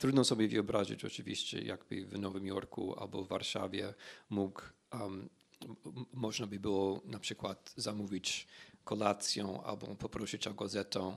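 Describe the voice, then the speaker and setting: At a moderate pace, a man talks in a plain, everyday voice of fairly low pitch. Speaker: guest. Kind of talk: interview answer. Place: hall. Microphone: handheld.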